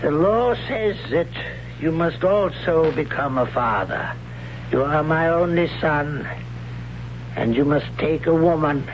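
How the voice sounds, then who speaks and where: Zealous tribal patriarch; fairly high voice, commanding, dull old radio sound. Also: male voice, slow pace, slight background noise. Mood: stern. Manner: shouting, commanding, pronouncing rules. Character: stern zealous tribal father, male elder. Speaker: actor. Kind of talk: 1970s radio drama acting.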